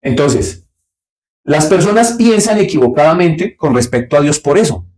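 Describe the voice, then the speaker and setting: A man preaching a Bible study sermon. He asks rhetorical questions and answers them himself, dropping low for asides and rising sharply on his points. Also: lively intonation, normal speed. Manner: swings between low, quiet asides and sharp, raised points. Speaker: pastor.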